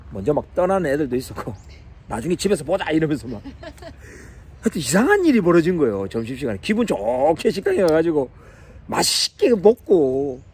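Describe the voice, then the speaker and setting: Lively Korean-speaking Bible teacher, a man. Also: on the high side, slightly rough. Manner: animated storytelling with chuckles. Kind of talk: sermon with family story.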